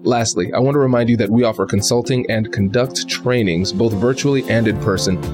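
A man's voice: mid-range voice, a little fast, music in the background. A man hosting a negotiation podcast, giving a polished intro and then interviewing a guest. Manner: polished, promotional delivery. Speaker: podcast host.

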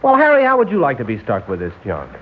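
A glib young engineer. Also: male voice, medium pitch, wildly swooping pitch, quick pace, a little hiss or hum. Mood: restless. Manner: wisecracking, smooth-talking. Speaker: lead character and narrator. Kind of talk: 1960s radio drama acting. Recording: dull lo-fi old radio recording.

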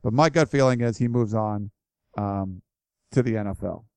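A man's voice: fairly low pitch, moderate pace, a little mellow, smooth, no echo. A man hosting a solo sports podcast, answering listener questions in a casual, rambling way with many fillers and restarts, his voice tiring. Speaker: podcast host.

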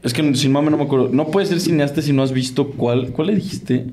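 A Mexican man co-hosting a relaxed podcast chat. His voice has a warm, mellow tone, and he teases the others in loose, slangy banter. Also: on the high side, a little fast, a little hiss or hum. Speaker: podcast co-host. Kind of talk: casual chat.

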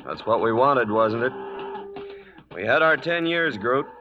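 An actor playing a hard, stubborn cattle baron with an American accent and a gruff, commanding manner in a radio western. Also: male voice, mid-range voice, lively intonation, a little slow, noisy background, natural voice. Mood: grimly determined. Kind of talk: 1940s radio western acting. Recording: dull vintage radio recording.

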